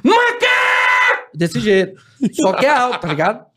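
Young guy, high and fast, animated storyteller in a casual chat. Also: a little hiss or hum. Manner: rapid, animated storytelling, acts out quotes and shouts. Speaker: guest telling stories.

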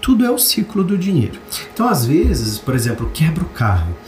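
Lively Brazilian man in a roomy space. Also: brisk, soft background music. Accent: Brazilian Portuguese. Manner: animated, jumps up in pitch when mimicking complainers; chatty, hesitant fillers while searching for words. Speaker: host. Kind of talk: casual motivational talk. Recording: roomy echo with faint background noise.

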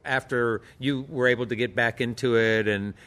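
A man hosting a radio interview, asking questions in a measured, slightly halting way. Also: medium pitch, fairly even intonation, fairly bright tone, faint music behind.

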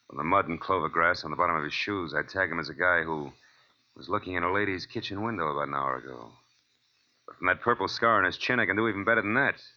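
An actor playing a wry, hard-boiled American private detective, terse and slangy, in 1940s radio style. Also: male voice, low voice. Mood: grim, matter-of-fact. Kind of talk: 1940s radio acting and first-person narration. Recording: muffled old radio recording with music.

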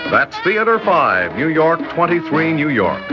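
A male radio announcer reading closing credits in a measured, formal way. His pitch moves lively through each phrase. Music plays clearly behind him, and the old broadcast sound is dull.

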